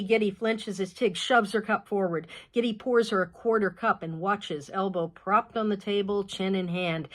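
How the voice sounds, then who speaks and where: A woman author reading a chapter of her novel aloud in an expressive, measured storytelling voice. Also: medium pitch.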